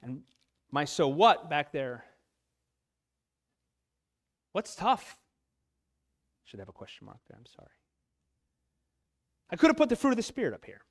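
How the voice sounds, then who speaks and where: A man's voice: a little high, huge pitch swings, a little slow, long pauses. A man giving an earnest, emotional sermon to other men in a church, his voice catching as he speaks. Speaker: lay preacher at a men's church talk. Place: church sanctuary.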